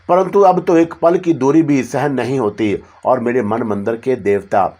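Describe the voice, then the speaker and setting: A man's voice: mid-range voice, close to an everyday voice. A man voicing a devoted, lovesick young female spirit who speaks tenderly and with longing. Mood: yearning. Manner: tender, yearning, softly pleading.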